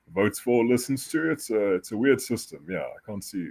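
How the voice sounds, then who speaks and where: Recorded very cleanly against a silent background, the voice moves with ordinary pitch variation. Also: man. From South Africa, Afrikaans farming area. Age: 30s. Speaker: political commentator. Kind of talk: podcast interview.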